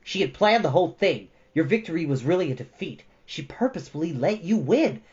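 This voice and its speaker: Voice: medium pitch, big pitch swings, brisk, a little mellow, lo-fi sound, natural voice. A narrator voicing a frank, loyal young warrior with a dry, blunt, reasoning manner. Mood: dry, accusing.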